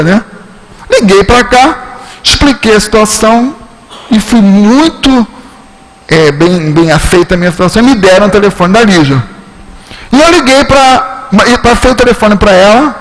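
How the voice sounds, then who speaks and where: A man's voice: a little hiss or hum, poor audio. A man with a Rio de Janeiro Portuguese accent giving a spiritist lecture, telling a story and acting out the dialogue. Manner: animated storytelling, acts out dialogue with shifting pitch. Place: spiritist centre lecture hall.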